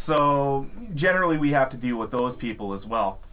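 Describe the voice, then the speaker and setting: A man's voice: medium pitch, animated, normal speed, slight background noise. A man telling a long work story in a casual chat among coworkers, rambling with many ums and restarts. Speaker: podcast co-host, security guard. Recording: tinny phone-like sound.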